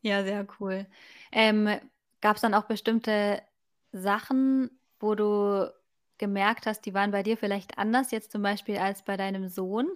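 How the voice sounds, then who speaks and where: A woman's voice: mid-range voice, fairly even intonation, measured pace. A woman hosts a casual podcast in an ordinary middle register. She keeps things light and friendly, laughs readily, and affirms her guest as she asks her questions. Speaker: podcast host.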